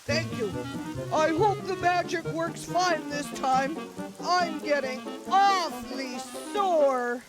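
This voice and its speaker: A woman voicing a sick, fretful male wizard in a puppet show, speaking slowly and apologetically. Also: high-pitched, over loud music. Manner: slow, apologetic, earnest.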